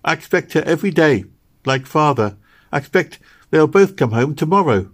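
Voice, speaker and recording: Man voicing an earnest little girl, pitched high. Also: animated, moderate pace, slightly rough. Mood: insistent. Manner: simple, childlike, insistent speech. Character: little girl Meg, earnest, hopeful, caring.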